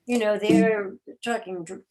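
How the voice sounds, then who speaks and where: A woman answering questions as a guest in a casual online discussion, matter-of-fact, with pauses in the middle of her explanations. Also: medium pitch, steady tone, a little mellow. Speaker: guest, radio drama producer and interviewer. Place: remote video call.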